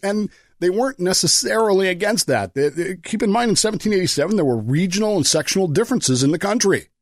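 Speech rushes by at a very fast pace with very wide pitch swings. The recording is very clean with a silent background. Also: man. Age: 50s. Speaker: podcast host, submarine veteran. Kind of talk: solo commentary monologue.

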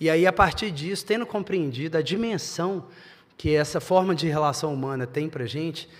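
A man with ordinary pitch variation and audible room echo. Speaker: pastor. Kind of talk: sermon. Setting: church. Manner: speaking more quietly.

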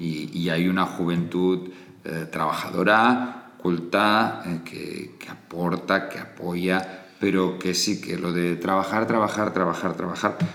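Against noticeable background noise and audible room echo, a man with a very deep, low pitch speaks at a very slow pace with hardly any pauses and fairly even intonation. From Catalonia, Barcelona. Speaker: chef. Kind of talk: interview. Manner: halting.

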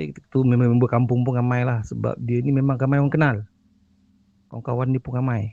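His pitch sits in the middle range, and he moves along at a fairly quick pace. This man has a plain, everyday voice with fairly even intonation. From Negeri Sembilan, Malaysia. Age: 40s. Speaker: guest storyteller of horror stories. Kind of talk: storytelling.

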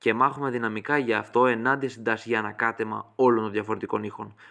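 A man with a plain, everyday voice speaks at a fairly quick pace against a quiet background. His medium pitch holds a fairly even intonation. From Greece, Rhodes. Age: 20s. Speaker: traditional musician and folk music researcher. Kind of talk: interview answers. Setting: remote recording.

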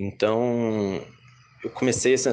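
A man with a normal speaking voice, medium in pitch, with fairly even intonation over a quiet background. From Rio de Janeiro, Brazil. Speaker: engineering student. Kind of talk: testimony.

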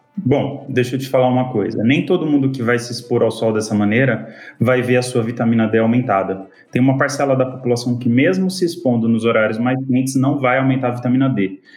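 Fairly quick speech from a man, audible room echo around it. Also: medium pitch for a man, ordinary pitch variation. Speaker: dermatologist. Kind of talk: expert interview.

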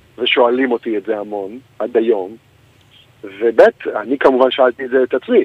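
Speaking at a fairly quick pace with long, frequent pauses, a man keeps a medium pitch and fairly even intonation. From northern Israel, Nazareth Illit. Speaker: singer-songwriter and musician. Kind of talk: casual radio interview. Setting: remote call from a car in traffic.

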